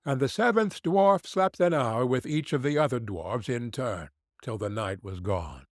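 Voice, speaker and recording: A man narrating a fairy tale for an audiobook in a measured storytelling manner. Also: mid-range voice, animated, no echo, clean studio sound.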